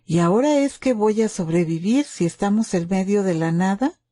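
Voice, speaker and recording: A woman's voice: medium pitch, expressive, moderate pace, warm tone, lightly acted. A woman voicing a naive young German boy in a wartime story, questioning and hesitant. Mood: puzzled.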